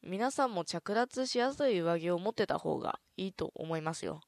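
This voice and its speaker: A woman hosting a casual radio talk show, soft-spoken and easygoing, with a stuffy nose. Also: fairly low pitch, lively intonation, moderate pace, gravelly, no room sound, studio quality. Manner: soft, easygoing, chatty, with many "un" fillers. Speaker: radio host.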